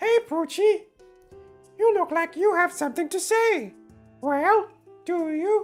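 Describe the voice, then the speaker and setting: Faint music plays in the background as a put-on character voice at an extremely high pitch moves at a fairly slow pace, broken by long, frequent pauses. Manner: cartoonish.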